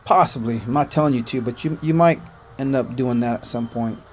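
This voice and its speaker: A man born in Korea whose first language was Korean, chatting casually on a game livestream, thanking viewers by name and filling pauses with "uh" and "man". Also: medium pitch, a little mellow, a little hiss or hum. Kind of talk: casual gaming livestream chat.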